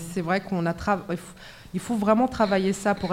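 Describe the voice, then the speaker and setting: Her intonation remains fairly even. The woman talks at a medium speed. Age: middle-aged. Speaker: job seeker in training. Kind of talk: testimony.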